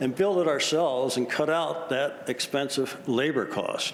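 A man's voice with ordinary pitch variation, in audible room echo and noticeable background noise. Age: 70s. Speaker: resident speaking at public comment. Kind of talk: public comment at town hall. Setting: town hall meeting at recreation center.

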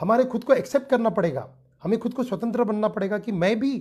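Pitch moves in an ordinary way. Nothing can be heard in the quiet background. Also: man. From Maharashtra, India. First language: Gondi (speaking Hindi). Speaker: speaker. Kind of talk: speech to online audience. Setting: live stream. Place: home room. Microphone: earbuds.

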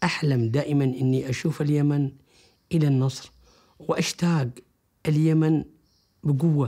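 Fairly high-pitched man's voice in a Yemeni accent, fairly slow with long, frequent pauses, very even loudness and fairly even intonation. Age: 50s. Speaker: businessman. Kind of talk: personal testimony. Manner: halting.

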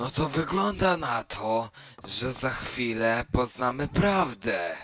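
Putting on a character voice, a man speaks at a fairly slow pace with lively intonation. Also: medium pitch for a man. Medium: machinima.

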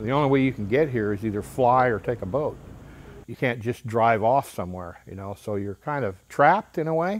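Ordinary pitch variation from a man going at a moderate pace. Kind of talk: interview answer. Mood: calm, explanatory. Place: workshop. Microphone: lapel.

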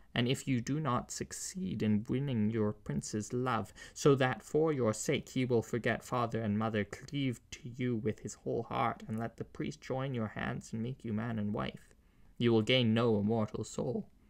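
The pace is moderate. The voice is a put-on character voice. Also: man, medium pitch for a man. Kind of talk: storytelling, acted dialogue. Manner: menacing, mocking.

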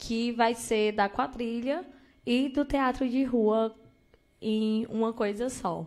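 A woman's fairly high-pitched voice against a quiet background. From Ceará, Brazil (Alto Santo); Ceará, Brazil. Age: 20s. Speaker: teacher and actress; podcast guest. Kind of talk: casual interview; interview answer. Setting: studio. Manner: animated. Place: studio. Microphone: studio mic.

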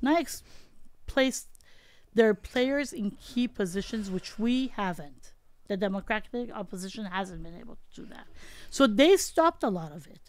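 At a moderate pace, the voice makes very wide pitch swings and big swings in loudness, in a dry sound with no echo. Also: woman, fairly high pitch for a woman. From Iran. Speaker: political activist; podcast guest. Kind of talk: political discussion. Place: studio. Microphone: studio mic.

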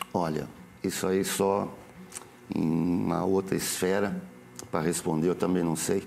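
Pausing long and often, a man talks at a fairly slow pace in a very deep, low voice, monotone and flat, with very even loudness over light background noise. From Brazil, Curitiba. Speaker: visual artist. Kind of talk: TV interview. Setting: studio. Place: studio. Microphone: lapel.

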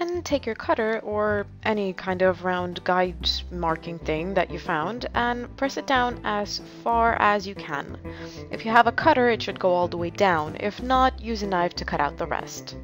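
A woman with a non-native accent speaks over music in the background. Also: moderate pace. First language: non-native English speaker. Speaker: polymer clay crafter. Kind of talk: craft tutorial voice-over. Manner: casual, with filler words.

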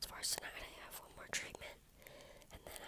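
Someone whispers over noticeable background noise. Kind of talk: casual vlog to camera. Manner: quiet, whispered.

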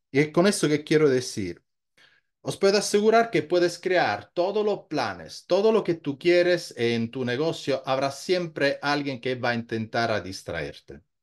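Against a quiet background, a man with a fairly high pitch talks at a fairly slow pace with very wide pitch swings. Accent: Italian. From Italy. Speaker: business coach. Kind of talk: webinar presentation. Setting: video call. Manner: animated. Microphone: video call.

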